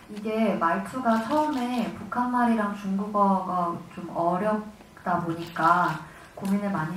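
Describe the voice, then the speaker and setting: A woman's voice: mid-range voice, a bit bright. An actress giving reflective answers about her work at a press conference. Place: cinema auditorium. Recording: echoey hall, distant mic, faint noise.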